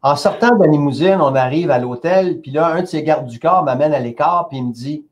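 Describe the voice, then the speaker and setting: Interview guest, Québécois man in his 50s, lively storyteller, a bit high-pitched. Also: brisk. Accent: Québécois French. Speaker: company president, interview guest. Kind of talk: casual anecdote telling.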